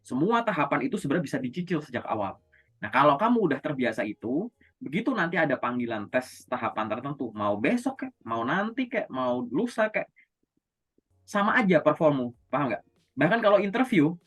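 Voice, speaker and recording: A man's voice: mid-range voice, a bit bright. A man coaching job seekers in a casual, conversational way, asking and answering his own questions. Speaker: career coach.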